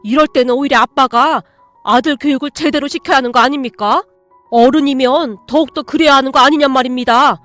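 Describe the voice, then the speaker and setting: A woman voicing a quiet but protective male teacher who speaks earnestly, in a radio story reading. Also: high-pitched, a little fast, dry recording, soft background music, close to an everyday voice. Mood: indignant. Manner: earnest, raising voice in defense.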